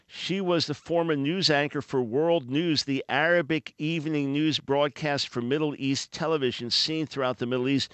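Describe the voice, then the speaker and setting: A man hosting a radio interview, asking questions in a friendly, measured way. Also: fairly high pitch, fairly even intonation, a bit bright, smooth, dry recording. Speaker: radio host.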